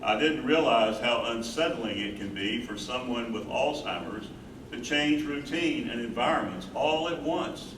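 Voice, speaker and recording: A man's voice: mid-range voice, animated, measured pace, natural voice. A man playing a tender, devoted older husband caring for his wife in a staged reading of a play. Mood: regretful, earnest. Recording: roomy distant stage mic, loud noise.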